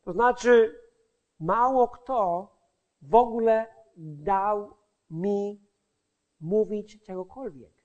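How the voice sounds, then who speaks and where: A man giving a personal testimony as a street evangelist, speaking haltingly and often stopping to search for words and restart. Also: high voice, darkish tone, highs cut off.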